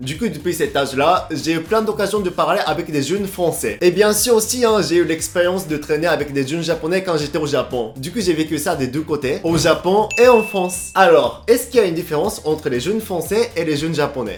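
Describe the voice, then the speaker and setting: Over music in the background, a man talks at a fairly quick pace with hardly any pauses, his high pitch varying in an ordinary way. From Japan. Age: 20s. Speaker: YouTuber. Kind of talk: casual talk to camera. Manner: casual, conversational.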